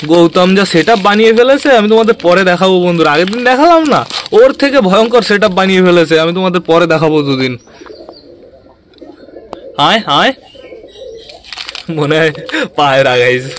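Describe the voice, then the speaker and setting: Bird-keeping vlogger, man from West Bengal, high voice, chatty, faint outdoor noise. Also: fairly bright tone. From West Bengal, India. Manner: chatty, calls out to birds. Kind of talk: casual vlog narration. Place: outdoors at home pigeon loft.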